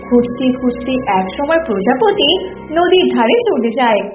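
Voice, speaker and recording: A woman's voice: high-pitched, big pitch swings, normal speed. A woman narrating a scripted children's cartoon story. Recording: dull, echoey audio with music.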